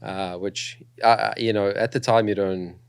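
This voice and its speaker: A young South African man, his accent tinged by New Zealand, tells his story as a guest on a casual podcast interview, relaxed and full of fillers. His voice is on the low side, unhurried and creaky, with a clear, resonant tone in a dry recording.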